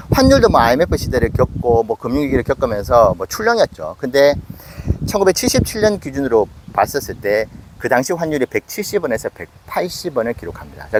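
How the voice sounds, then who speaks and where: Casual investing host, man in his late forties, lively delivery. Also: medium pitch, background noise. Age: 40s. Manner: conversational, self-questioning with acted asides. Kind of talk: casual investing talk to camera.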